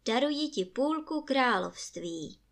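A dignified, sorrowful fairy-tale king, as a woman reader puts him on, speaking slowly and solemnly. His voice sits a little lower than hers. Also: expressive.

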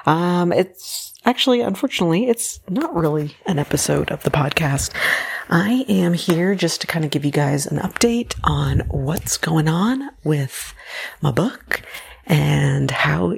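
A woman hosting a solo podcast, talking casually with lots of fillers, her voice raspy and tired. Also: sits low, animated, slow pace. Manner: chatty, full of fillers and restarts. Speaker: podcast host.

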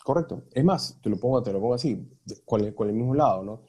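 A man's voice: medium pitch, quick pace, dark tone, slightly rough. A man in a casual conversation, reflecting and explaining with everyday examples and frequent tag questions.

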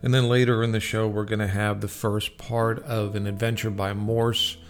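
A man's voice: lowish voice, flat delivery, normal speed, faint music behind. A man speaks as a radio show host, laying out a rundown in an informal, unscripted way. His delivery is casual and loosely organized, like someone explaining things as he goes.

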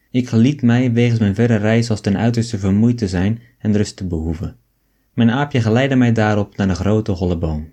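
Dark-voiced male audiobook narrator. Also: fairly low pitch. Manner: measured, storytelling. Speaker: audiobook reader. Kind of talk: audiobook narration of an old novel.

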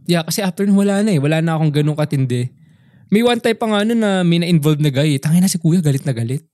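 A young man co-hosting a podcast tells a story in casual chat, sprinkling English slang and calling his friend "bro" every few words. His voice sits a little high. It is recorded dry and close, with no room sound. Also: expressive, fast, a little mellow, dry recording. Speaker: podcast co-host.

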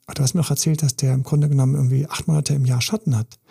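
Man, relationship coach, gravelly fry, mellow dark tone, emphatic and intense. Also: mid-range voice, fairly even intonation, very fast. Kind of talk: podcast monologue.

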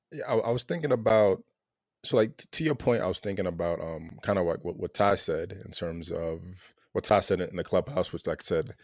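A Haitian American man talking through his thoughts in a relaxed conversation, often repeating words as he searches for them. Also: deep voice, no echo, clean studio sound. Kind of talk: casual conversation.

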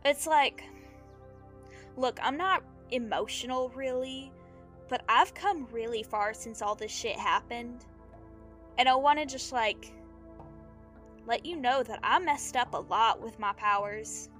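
A woman acting a guilt-ridden, blunt young runaway with powers in a naturalistic audio drama, talking in a halting, slangy, confessional way. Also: on the high side, fairly bright tone. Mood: guilty confession. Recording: music behind the dialogue. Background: music.

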